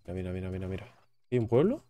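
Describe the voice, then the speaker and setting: A man's voice: low-pitched, big pitch swings, rapid-fire, phone-quality sound. Chatty young man gaming. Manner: chatty, repeats words, jokey asides. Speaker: gaming YouTuber. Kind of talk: casual gameplay commentary.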